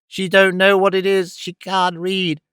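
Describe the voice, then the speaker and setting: A man's voice: high-pitched, fairly even intonation, normal speed, fairly bright tone, smooth, no room sound, studio quality, voice pushed up. A man voicing a panicky old miserly moneylender who shrieks and wails. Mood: frantic. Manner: shrieking, wailing.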